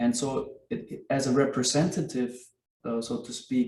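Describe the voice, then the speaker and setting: A man with a non-native accent, medium pitch, fairly slow pace. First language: not English. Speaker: religious teacher. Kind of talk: lecture. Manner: halting, many fillers.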